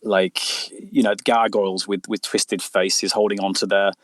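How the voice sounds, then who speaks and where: Male, middle-aged, low voice, dry close recording. Casual interviewee, rambling, repeats words as he goes. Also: level tone, moderate pace, no echo. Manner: rambling storyteller with frequent stammered repeats and "you know". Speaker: interviewed horror author.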